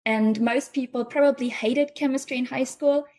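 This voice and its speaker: A woman's voice: high-pitched, steady tone, moderate pace, a little mellow. A young woman from Germany, a scientist guest answering interview questions modestly and thoughtfully. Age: young adult. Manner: modest, thoughtful, laughs often. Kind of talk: podcast interview.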